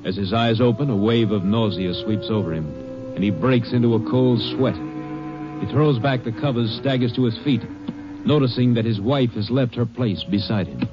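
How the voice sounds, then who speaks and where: Measured male radio narrator over music. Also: medium pitch. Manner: measured, dramatic. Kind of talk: scripted 1950s radio drama narration. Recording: muffled old radio recording. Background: dramatic music.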